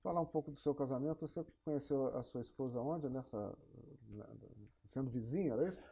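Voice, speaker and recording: A man's voice: medium pitch, a little fast, mellow, slightly rough. A man with a Brazilian accent interviewing, asking short follow-up questions. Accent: Brazilian Portuguese. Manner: brief prompts and follow-up questions. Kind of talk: oral history interview.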